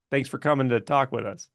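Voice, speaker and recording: A man hosting an interview in a conversational, relaxed style. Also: medium pitch, gravelly, no echo, studio quality. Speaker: channel host and interviewer.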